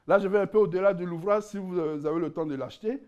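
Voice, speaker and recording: A man giving a conference lecture, animated and joking, often repeating words as he searches for the right phrasing. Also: high voice, fast, clean tone, highs cut off. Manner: animated, jokes, laughs at own asides. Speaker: conference speaker presenting his book.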